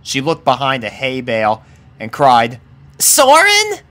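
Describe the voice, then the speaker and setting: A man's voice: medium pitch, steady tone, normal speed, a bit bright. A man reading a scripted story aloud as the narrator of fan fiction.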